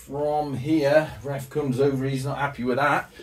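A man, the host, commentating his own tabletop football game play by play, excitable and jokey with sudden loud outbursts, out of breath from the heat. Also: mid-range voice, a little slow, recorded from a distance. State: out of breath, hot.

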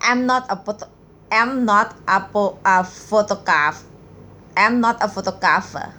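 A bright, clear-toned young woman from Thailand gives a casual English lesson. She chats and rambles, then reads English phrases slowly and explains them. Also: mid-range voice, a little hiss or hum. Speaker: English tutor. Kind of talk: casual vlog-style language lesson.

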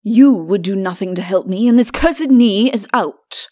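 A woman voicing a pompous, aching skeleton lord, a muddled old drunk with a rough voice and indignant bluster. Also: medium pitch, a little slow, mellow, no room sound, clean studio sound, close to an everyday voice. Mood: grumbling.

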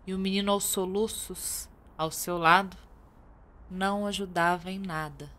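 A woman's voice: fairly low pitch, steady tone, unhurried, a bit bright. A Brazilian woman narrating a scripted radio drama as a theatrical storyteller. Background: music with guitar.

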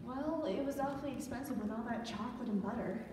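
A woman playing a gentle, encouraging mother in an amateur stage radio play. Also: fairly high pitch, quick pace, close to an everyday voice. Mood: agreeable. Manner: gentle, agreeable. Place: church stage before an audience. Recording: echoey church hall, distant, faint noise.

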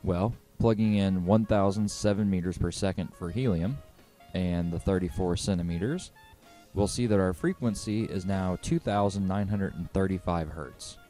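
A man's voice: sits low, normal speed, dark tone, faint music behind. A man explaining physics step by step in a scripted educational narration.

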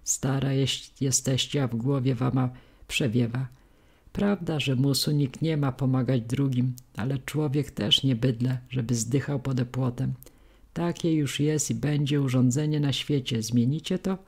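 A woman voicing a sharp-tongued old village gossip woman, scolding in folksy peasant speech. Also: very deep voice, steady tone, a little slow, slightly rough, heavily acted.

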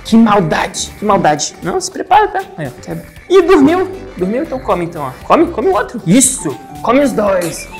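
A woman from Brazil giving playful, excitable let's-play commentary, giggling and talking straight to her viewers. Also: mid-range voice, moderate pace, faint music behind. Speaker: gaming YouTuber.

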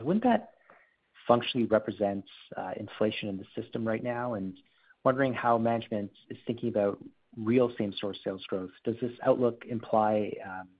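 A male financial analyst with a lowish voice puts questions on an earnings call. His delivery is halting and careful. The line is thin and telephone-like. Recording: narrow phone line.

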